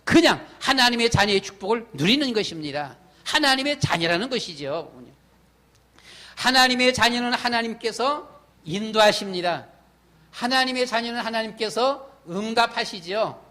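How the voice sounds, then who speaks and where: High, bright-voiced preaching pastor. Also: male voice, lively intonation, normal speed. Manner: emphatic preaching with rhetorical questions; acts out his own past and inner voice in quotes. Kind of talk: sermon. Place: church sanctuary.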